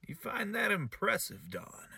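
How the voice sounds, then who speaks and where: A male podcast host with a gravelly, raspy edge and a bright, forceful tone. His pitch swings in a lively way as he teases his guest with sarcastic jabs. The sound is dry and close. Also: unhurried, dry recording. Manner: sarcastic, mock-insulting teasing. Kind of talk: comedic host banter.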